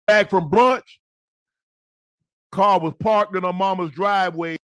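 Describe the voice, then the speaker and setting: Man in his fifties, high voice, podcast host spinning casual stories with emphatic repeats. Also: steady tone, measured pace, a bit bright, clean tone, no room sound, studio quality. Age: 50s. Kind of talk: animated casual storytelling.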